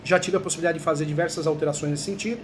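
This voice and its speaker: Chatty Brazilian law professor, high voice. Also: male voice, steady tone, racing, slight background noise. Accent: Brazilian Portuguese. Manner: chatty, peppers talk with tag questions. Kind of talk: conversational video lesson.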